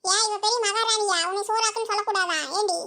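A woman's voice: steady tone, quick pace. A woman voicing a complaining old village mother-in-law in a cartoon, nagging and scolding her daughter-in-law. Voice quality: very high, bright cartoon voice. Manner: nagging, scolding, keeps calling the other "di". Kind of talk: village cartoon comedy acting.

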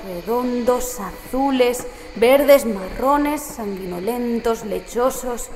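A woman's voice: fairly high pitch, darkish tone, lightly acted. A woman playing the uneasy narrator of a horror tale, reading in a dramatic first-person audiobook style. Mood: tense. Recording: echoey, clear train ambience noise behind. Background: metro train ambience.

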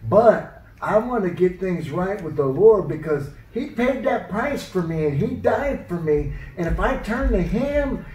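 A woman's voice: medium pitch, animated, a little slow, mellow, lightly acted. A woman voicing an eager, naive male puppet pupil who responds with wide-eyed earnestness in a children's puppet show. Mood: eager, earnest. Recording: roomy echo, distant microphone.

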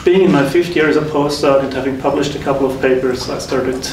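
A man in his thirties from Switzerland, a faculty guest recounting his career path in a measured, reflective way. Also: medium pitch, steady tone. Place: lecture room with whiteboards. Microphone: room mic from a distance. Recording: echoey room, distant mic, noisy.

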